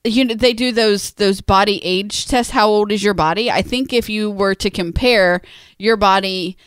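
A woman's voice: mid-range voice, moderate pace, clear, resonant tone, no room sound. A woman in her late thirties co-hosting a podcast in a casual, conversational style. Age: 30s. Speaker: podcast co-host. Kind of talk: casual married-couple chat.

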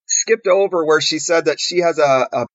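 A man's voice: fairly high pitch, normal speed, dull audio. A man co-hosting a podcast, asking questions in a friendly, playful way. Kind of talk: casual podcast conversation.

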